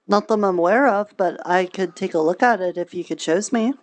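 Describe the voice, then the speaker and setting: A woman's voice: medium pitch, a little fast. A woman speaking in character in an improvised, conversational roleplay. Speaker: roleplayer in a virtual reality game.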